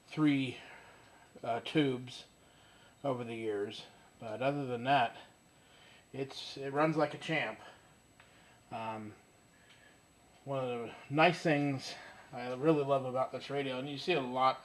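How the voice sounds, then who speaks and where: A man casually showing his old radio at home, talking haltingly with lots of fillers and restarts. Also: medium pitch. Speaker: radio collector demonstrating his radio. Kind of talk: casual show-and-tell. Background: faint music from the radio.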